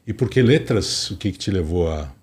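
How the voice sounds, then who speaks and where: A man from Brazil hosting a podcast interview, upbeat and lively as he introduces and questions his guest. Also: low voice, moderate pace. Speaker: podcast host.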